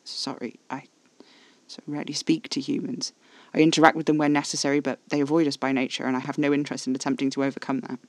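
A man's voice: mid-range voice, flat delivery, fast, darkish tone, dry recording, natural voice. A man voicing a frustrated, possessive male vampire in a storybook, with formal, exasperated speech. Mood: ashamed, apologetic. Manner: haughty, exasperated, formal wording.

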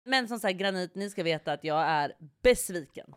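A young woman co-hosts a chatty podcast, with a lively pitch that swings up and down. She swears freely and acts out what others said. Faint music sits behind her. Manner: animated, swears, acts out quotes. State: pregnant. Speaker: podcast co-host. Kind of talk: casual chat.

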